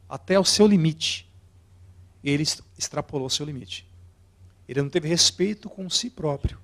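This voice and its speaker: Expressive Brazilian man giving a lecture. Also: on the high side. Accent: Brazilian Portuguese. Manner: expressive and theatrical, shifting loudness and acting out scenes. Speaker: oratory teacher. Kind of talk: live lecture to an audience. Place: lecture hall with a live audience.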